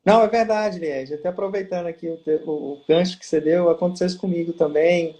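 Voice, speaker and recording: A Brazilian man on a video call is a guest in a casual live interview, speaking quickly in a voice on the high side. A pharma district manager, he tells stories and animatedly acts out quoted exchanges.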